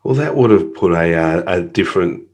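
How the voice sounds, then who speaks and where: A man's voice: deep voice, animated, brisk, a little mellow. A man hosting an interview show over a video call, chatty and jokey with an upbeat, enthusiastic manner. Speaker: podcast host. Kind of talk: casual interview chat.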